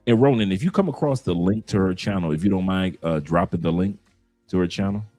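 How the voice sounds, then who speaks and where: Male livestream host, low relaxed delivery, conversational shout-outs to viewers. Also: fairly quick, no echo, faint music behind.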